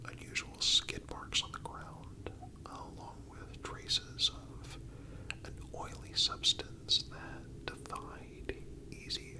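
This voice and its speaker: In ASMR fashion, a narrator reads a written story entirely in a breathy whisper, phrasing everything carefully and deliberately. It's a rough recording.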